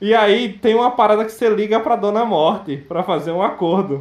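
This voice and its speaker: A man's high-pitched voice with lively intonation. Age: 20s. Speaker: Twitch streamer. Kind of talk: casual chat.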